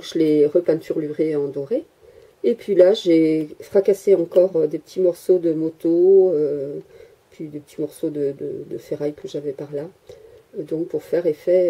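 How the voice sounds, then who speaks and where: A woman's voice: deep voice, warm tone, breathy edge. A woman chatting casually while filming her handmade miniature workshop, rambling with many hesitations and joking at herself, picked up by the microphone of the camera she holds. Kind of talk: casual chatty show-and-tell. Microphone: handheld camera mic.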